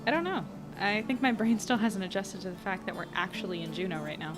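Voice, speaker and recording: An actress plays a young woman in an audio drama, thoughtful and easygoing. Her voice sits at an ordinary female pitch and sounds natural and reflective. Music plays clearly behind her. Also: fast, close to an everyday voice. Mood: casual.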